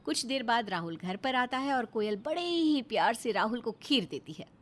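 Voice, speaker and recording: A woman narrating a cartoon story in an expressive storytelling manner. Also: a little high, moderate pace.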